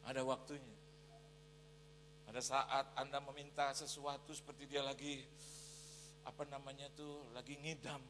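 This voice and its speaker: A man's voice: medium pitch, normal speed, pauses often. A male pastor preaching a sermon, telling stories and acting out voices. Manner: animated storytelling, acts out voices. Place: church hall. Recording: echoey hall with steady hum.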